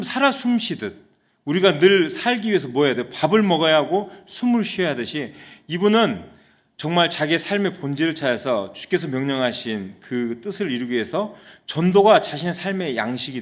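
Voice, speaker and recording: A man, a senior pastor, preaching a sermon in a church service, telling a story and often putting questions to the congregation. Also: fairly high pitch. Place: church sanctuary during a live service.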